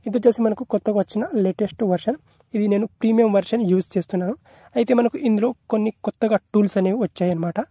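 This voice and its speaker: Very fast-talking man, mellow voice. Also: high-pitched, fairly even intonation, no room sound, studio quality. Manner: repetitive, instructional, mixing in English tech terms. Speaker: tech tutorial host. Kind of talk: screen-recorded app tutorial narration.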